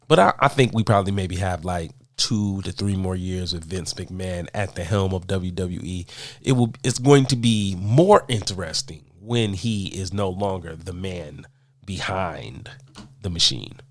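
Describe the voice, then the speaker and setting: A man's voice: low-pitched, dry recording. Stuffed-up man ranting, dry close sound. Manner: conversational, emphatic, repeats points for effect. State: congested from a cold. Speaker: commentary vlogger answering viewer questions. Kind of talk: casual opinion rant.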